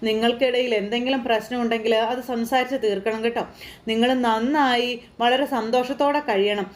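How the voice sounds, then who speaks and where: A woman voicing a kindly temple priest who gives slow, calm, reassuring advice to a young couple. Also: on the high side, natural voice. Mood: gentle.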